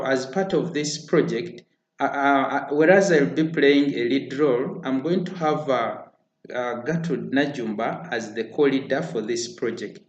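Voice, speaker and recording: A man, giving an earnest prepared pitch as founder of a community charity, often hesitating with fillers. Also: dull audio. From Uganda. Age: 30s. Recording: roomy echo.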